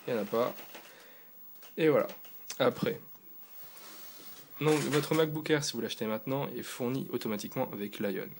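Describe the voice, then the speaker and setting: Gravelly-voiced man doing a casual tech review. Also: mid-range voice, normal speed, pauses often. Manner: loose and rambling, with fillers and restarts.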